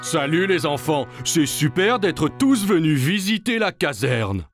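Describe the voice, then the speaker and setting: A jovial cartoon fireman talks in an animated, swooping voice, hearty and encouraging as he explains things simply for children. There is music behind him. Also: on the high side, a little slow. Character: friendly, jovial adult male firefighter showing children around. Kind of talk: French-dubbed children's cartoon acting.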